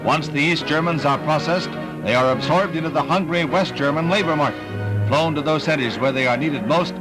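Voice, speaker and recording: A man's voice: fairly high pitch, normal speed, rough recording. A man narrating an old 1960s newsreel in an emphatic, dramatic voice-over. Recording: voice-over over loud newsreel music.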